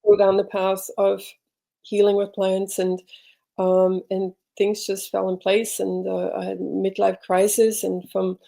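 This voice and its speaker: A middle-aged woman from Switzerland, a podcast guest telling her life story in a reflective, halting way as she searches for words. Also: medium pitch, monotone, vocal fry, mellow. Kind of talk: personal storytelling in an interview.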